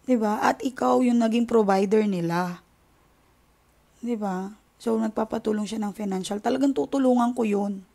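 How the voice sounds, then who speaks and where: A woman's voice: fairly high pitch, normal speed, gravelly, long pauses, dark tone. A woman with a Filipino accent, hosting a tarot channel and talking to her viewers in an impassioned, indignant way, mixing in English phrases. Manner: impassioned, indignant, switching between Tagalog and English. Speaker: tarot reader and channel host. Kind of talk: casual chat to viewers.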